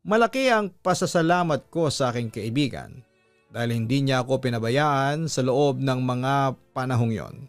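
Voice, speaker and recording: A man's voice: medium pitch, lively intonation, normal speed, dry recording, soft background music. A man with a Filipino accent hosting a story show, reading out a listener's letter as scripted narration.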